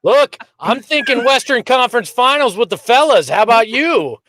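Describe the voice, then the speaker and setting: Male co-host, high voice, dry teasing humor, casual sports talk, close dry mic. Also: expressive, normal speed, fairly bright tone, no room sound. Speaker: podcast co-host.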